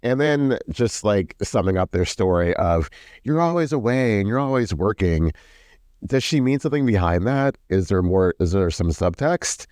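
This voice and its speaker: A man's voice: on the low side, animated, moderate pace, a little mellow, dry recording, clean studio sound. A man with a cold and a nasal voice, co-hosting a casual, sarcastic chat. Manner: chatty, sarcastic, quotes people in mock voices. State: sick with a stuffy nose. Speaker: podcast co-host.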